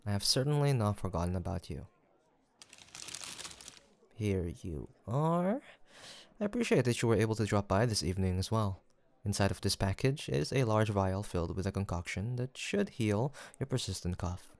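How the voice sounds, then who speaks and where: In a soft roleplay audio drama, a man voices a gentle, kind young apothecary from a village, talking with polite formality and attentive reassurance. His pitch sits fairly low, his delivery is animated, and he keeps a moderate pace. He comes across as caring and courteous.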